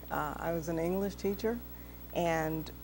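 Over noticeable background noise, a woman with an American accent speaks at a fairly slow pace. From San Francisco, California. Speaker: talk show host and educator; talk show host, educator. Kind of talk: interview. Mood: warm, reflective, smiling. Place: studio. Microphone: lapel.

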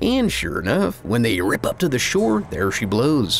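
Over noticeable background noise, a man at a medium pitch talks at a moderate pace with very wide pitch swings. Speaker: video narrator. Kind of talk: horror movie recap narration, scripted, sardonic.

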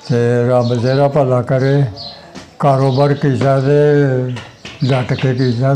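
A man talks in a monotone, flat intonation at very even loudness. Music plays in the background. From Sialkot, Punjab, Pakistan. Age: 80s+. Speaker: farmer. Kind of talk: interview answer. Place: home room. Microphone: lapel.

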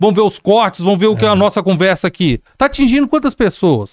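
With a Minas Gerais accent, a man talks at a fairly quick pace with lively intonation in a dry sound with no echo. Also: quiet background. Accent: mineiro Brazilian Portuguese. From Minas Gerais, Brazil (João Monlevade); Minas Gerais, Brazil. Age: 40s. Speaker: auction reseller and course creator; auction reseller, course creator. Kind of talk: interview. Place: studio. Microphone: studio mic.

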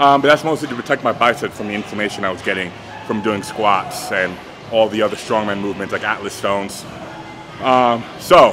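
Over faint background music, a man with a fairly low pitch and ordinary pitch variation speaks at a fairly quick pace. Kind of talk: casual vlog chat. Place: gym.

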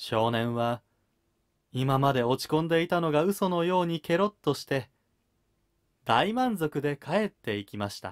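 Against a quiet background, a man with a fairly high pitch talks at a fairly slow pace, with very wide pitch swings and long, frequent pauses. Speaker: voice actor. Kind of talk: story reading. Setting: home recording. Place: home room.

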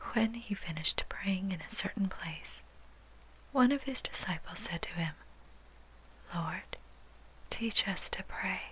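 A woman whispers at a very slow pace. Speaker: Bible reader. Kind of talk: scripture reading for sleep. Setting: rain sounds in background. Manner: soft-spoken, whispered.

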